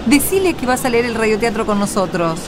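A woman's voice: on the high side, very animated, brisk, background noise. A woman with an Argentine accent, hosting and narrating a scripted radio theatre piece. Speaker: radio play host and narrator.

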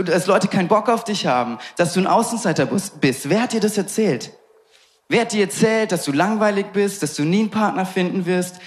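Young guy preaching, fired up, keeps hammering the same question, fairly high voice. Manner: fervent, repeated rhetorical questions; casual interjections of "hey". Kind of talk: sermon.

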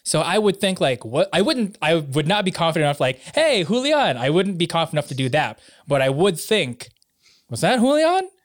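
A man's voice: fairly high pitch, big pitch swings, fairly quick, dry recording, clean studio sound. A man in his late twenties chatting casually and telling joking anecdotes among friends.

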